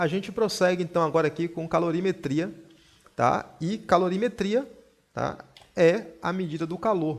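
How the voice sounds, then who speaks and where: This man has a high voice and a Bahian accent. He keeps a moderate pace with ordinary pitch variation. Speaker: physics teacher. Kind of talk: live online lecture. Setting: live stream.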